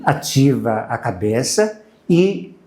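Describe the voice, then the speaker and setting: Halting older man, roomy echo. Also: mid-range voice, sing-song, a little mellow. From Brazil. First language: Japanese. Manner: halting, searching for words. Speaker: guest, university lecturer and language student. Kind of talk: casual conversational interview. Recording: roomy, echoing voice recording.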